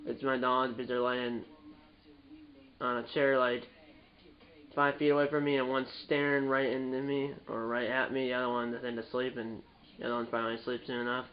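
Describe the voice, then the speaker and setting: A man's voice: mid-range voice, level tone, fairly quick. Young male gaming host, nasal from a cold, chatty and meandering, muffled home recording. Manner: rambling, restarts and fillers, self-correcting. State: stuffed up, nasal. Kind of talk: casual gameplay commentary.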